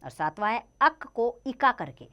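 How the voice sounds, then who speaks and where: A woman's voice: fairly high pitch, big pitch swings, unhurried, fairly bright tone. Sing-song woman teaching grammar to children. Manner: reads word lists in a sing-song, rising and falling lilt; addresses children directly. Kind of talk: Hindi grammar lesson narration.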